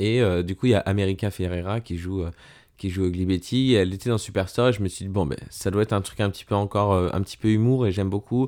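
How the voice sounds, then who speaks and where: A man speaks at a fairly quick pace in a fairly low pitch with ordinary variation. His tone is dark and mellow, and the recording is very clean with a silent background. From France, Normandy. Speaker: podcast host. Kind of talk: casual monologue.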